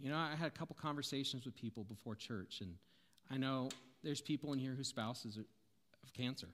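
A plain, everyday voice from a man, medium in pitch, fairly quick and with lively intonation, on a very clean recording with a silent background. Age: 40s. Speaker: preacher. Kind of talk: sermon. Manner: casual, self-deprecating with frequent laughs.

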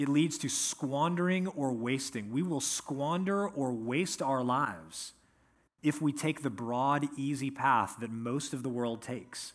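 An ordinary speaking voice at a fairly slow pace, very clean recording, silent background. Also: man, fairly high pitch for a man, ordinary pitch variation. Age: 40s. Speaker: pastor. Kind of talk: sermon.

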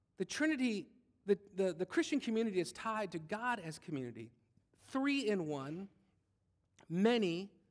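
Very wide pitch swings mark this man's voice. He talks at a moderate pace. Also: long, frequent pauses. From no Southern upbringing; born in West Germany. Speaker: pastor. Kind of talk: sermon.

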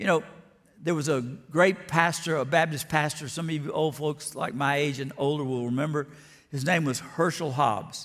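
With an American accent, a man talks at a moderate pace. His pitch is fairly high, with ordinary variation. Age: 60s. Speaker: pastor. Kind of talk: sermon. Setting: church.

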